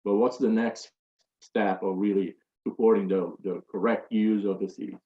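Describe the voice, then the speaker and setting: A man's voice: on the low side, steady tone, moderate pace, warm tone. A man asking a long, hesitant question from the audience at a panel, with many fillers and restarts. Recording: roomy, dull room audio.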